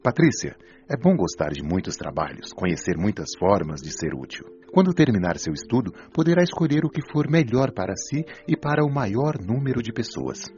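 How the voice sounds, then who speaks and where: A man's voice: on the low side, big pitch swings, moderate pace, few pauses, darkish tone, muffled recording, faint music behind. A man playing a benevolent, enthusiastic spirit teacher in an audio drama. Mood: benevolent, encouraging. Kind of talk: audiobook radio drama dialogue.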